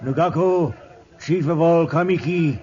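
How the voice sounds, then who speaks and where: An actor playing a stern, just tribal chief in 1950s radio drama, speaking solemn, clipped broken English. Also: male voice, a little high, measured pace, very noisy, close to an everyday voice. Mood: solemn, authoritative. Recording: muffled old radio recording.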